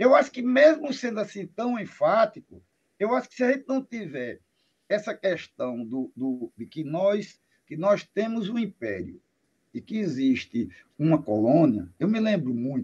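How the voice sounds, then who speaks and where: With very wide pitch swings, a man talks fairly slowly in a high voice. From Brazil, Natal (Rio Grande do Norte). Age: 60s. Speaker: human rights activist and TV channel coordinator. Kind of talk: panel discussion. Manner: halting, with many repetitions.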